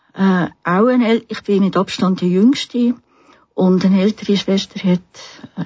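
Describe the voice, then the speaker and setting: In a Basel-Land accent, a woman speaks at a very slow pace with a medium pitch. Her voice is somewhat breathy, with ordinary pitch variation. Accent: Swiss German, Baselbiet dialect. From Switzerland, Basel-Landschaft (Oberbaselbiet). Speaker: feminist economist. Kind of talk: radio interview. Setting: radio studio.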